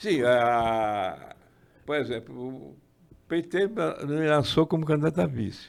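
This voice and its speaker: Very wide pitch swings mark a man's voice on a very clean recording with a silent background. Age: 70s. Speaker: local politician, vice-mayor candidate, teacher. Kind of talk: radio interview. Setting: radio studio. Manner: halting, many false starts.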